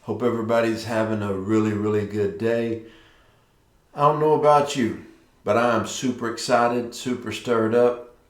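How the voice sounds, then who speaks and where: A man's voice: fairly low pitch, steady tone, normal speed. A middle-aged man hosting a devotional show of prophetic words, speaking carefully through a sore, stitched mouth after dental surgery. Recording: echoey, roomy sound.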